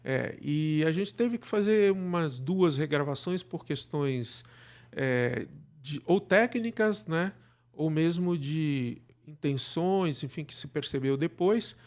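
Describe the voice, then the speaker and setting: Man, Brazilian accent, slightly high voice, conversational podcast guest, halting explanations. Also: expressive. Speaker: podcast guest, radio drama producer. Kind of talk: conversational interview answers.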